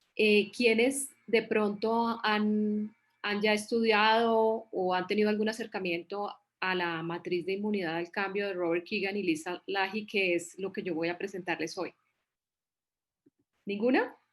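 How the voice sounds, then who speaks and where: Speaking with a Colombian accent, a woman keeps a medium pitch and a fairly slow pace. Her intonation is fairly even. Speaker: coach and mentor. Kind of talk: online workshop talk.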